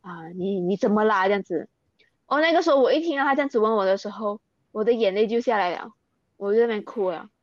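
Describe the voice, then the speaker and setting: Malaysian woman, kinda high voice, candid interview talk, dry dull sound, throws in english words. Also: fast, no room sound. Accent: Malaysian Mandarin. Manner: earnest, mixes in English words. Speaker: interview guest, athlete.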